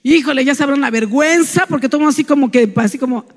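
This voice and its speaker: A woman's voice: sits high, fast talker, long reverb tail. A woman with a Mexican Spanish accent, speaking in a church and telling a personal story within a sermon, chatty and tagging her sentences with "¿no?".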